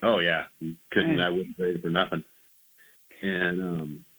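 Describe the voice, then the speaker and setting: This man has an American accent. He keeps a moderate tempo. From California. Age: 50s. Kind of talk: interview answer. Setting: phone line.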